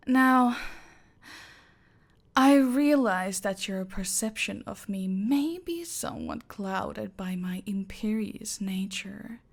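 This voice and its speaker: Woman as female cartel boss: imperious, slow, husky-fry whisper, controlled menace. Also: mid-range voice. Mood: menacing. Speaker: voice actor in audio roleplay. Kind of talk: ASMR roleplay.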